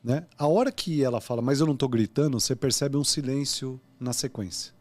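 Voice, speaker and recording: Calm explanatory Brazilian man guest. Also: medium pitch, a little fast. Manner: calm, explanatory, uses analogies. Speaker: guest, consultant. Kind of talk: explanatory interview talk.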